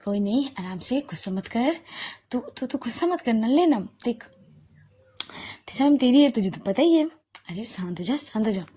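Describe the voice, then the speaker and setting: Woman doing teasing young student girl, coaxing, playful, fairly high voice. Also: expressive, moderate pace, dark tone, husky.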